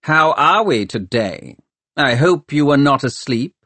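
A man's voice: mid-range voice, big pitch swings, slow pace, a bit bright, no echo, voice pushed up, heavily acted. A man voicing a scheming male city ruler who speaks in a clipped, commanding way. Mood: cold command.

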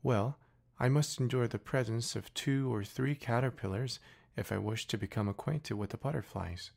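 A man's voice: mid-range voice, normal speed, creaky, a little mellow, voice pushed up. A man reading an audiobook voices a proud, delicate young female flower with a pleading yet haughty manner. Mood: proud, wistful. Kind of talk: audiobook character voice.

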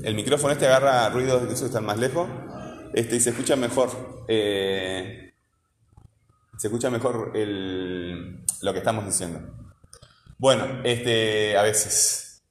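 In a classroom with roomy echo and faint ambient noise, a man teaches a grammar lesson in a fairly low, unhurried voice. He keeps coaxing students along with constant check-in questions.

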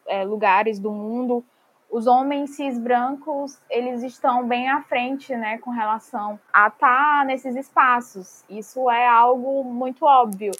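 A woman's voice: fairly high pitch, fairly bright tone. A young woman talking casually as a podcast guest, chatty and full of little fillers. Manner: chatty, many fillers like "né" and "sabe".

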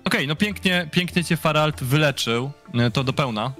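A man's voice: on the high side, moderate pace, a bit bright, soft background music. A man running a tabletop game as game master. He narrates casually, with fillers and chuckles, and often says "listen".

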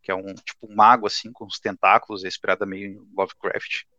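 A man's voice: low-pitched, level tone, brisk, pushed and bright, no room sound, dull audio. A man in his twenties, a guest artist, chatting casually and laid-back on a podcast. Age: 20s. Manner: laid-back, says "cara" often.

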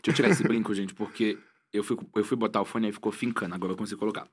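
A man's voice: fairly low pitch, slightly rough. A young man with a Brazilian Portuguese accent, chatting as a guest and telling stories, acting out what people said. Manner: fast animated storyteller, acts out quotes. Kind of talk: casual chat.

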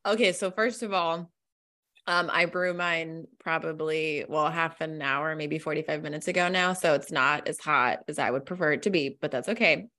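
Woman, slightly low voice, animated rambling chat, podcast co-host. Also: moderate pace. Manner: animated, rambling descriptions with laughs. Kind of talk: casual chat.

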